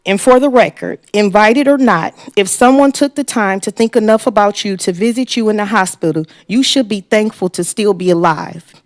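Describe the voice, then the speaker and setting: A woman's voice: medium pitch, dry recording, clean studio sound. A woman making a podium speech as a resident at public comment, apologetic and unpractised at speaking in public. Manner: halting, apologetic, self-described inexperienced public speaker. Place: council meeting room, at a podium.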